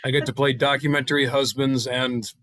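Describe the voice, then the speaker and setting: A middle-aged man talks casually on a video call. His voice sits at an ordinary pitch, and he often breaks off to find the next phrase. The sound is dry, with very little room around it. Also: little pitch movement, brisk, fairly bright tone, dry recording. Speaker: table read participant. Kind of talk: casual chat.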